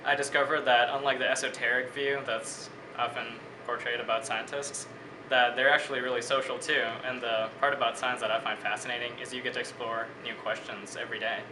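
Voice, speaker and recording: A man's voice: mid-range voice, fairly quick. A man in his twenties from Bangladesh, a biology student giving thoughtful, articulate interview answers. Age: 20s. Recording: echoey room with steady air-conditioning hum.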